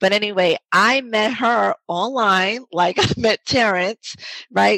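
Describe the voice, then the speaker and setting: A woman speaks in a New York accent with a bright, sharp tone. The sound is dry and close, with no echo. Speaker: massage therapist and sports trainer. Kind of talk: interview. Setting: video call.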